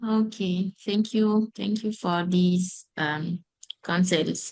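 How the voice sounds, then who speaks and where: A woman speaks at a very slow pace with a non-native accent. Her intonation stays fairly even. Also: medium pitch for a woman. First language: French. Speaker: student asking a question. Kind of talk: audience question. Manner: halting, hesitant.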